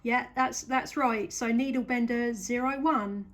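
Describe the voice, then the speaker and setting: Casting: woman, southern English accent, high voice, polite and thankful CB operator making casual radio contacts. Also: fairly even intonation, measured pace. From England.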